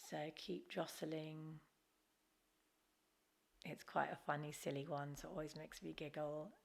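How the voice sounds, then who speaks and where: Slow, creaky-voiced woman teaching yoga. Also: sits low, steady tone. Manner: gentle, encouraging, unforced guidance. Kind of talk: guided Kundalini yoga class instruction.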